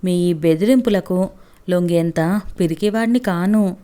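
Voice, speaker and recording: A woman voicing a defiant, hot-tempered young man who shouts dismissively in a storybook reading. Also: lowish voice, a little slow, close to an everyday voice.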